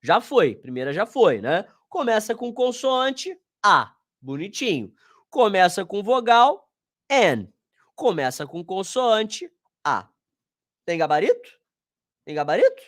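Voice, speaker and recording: A man's voice: sits high, sing-song, takes it slowly, a bit bright. A man with a Brazilian Portuguese accent teaching an online exam review lesson, casual and slangy, talking straight to his students.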